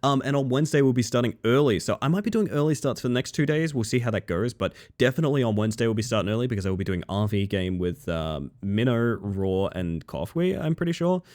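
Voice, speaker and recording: A man's voice: mid-range voice, expressive, fast talker, hardly any pauses, darkish tone. A male streamer at the end of a long session, chatting casually with viewers in a sleepy, crackly voice. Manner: friendly, rambling, thanks viewers. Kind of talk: casual stream sign-off chat.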